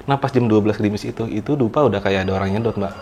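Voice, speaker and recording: A man's voice: lowish voice, rapid-fire, darkish tone, a little hiss or hum. A man, casually telling a horror story as a guest, repeating words for emphasis.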